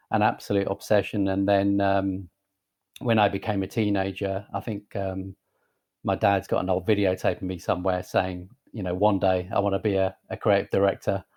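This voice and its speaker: A man in his forties with a softened northern English accent, a guest talking casually in a podcast interview, relaxed and hesitant, with many fillers and restarts. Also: on the low side. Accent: Northern English, softened by southern England. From northern England. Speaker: guest, creative director.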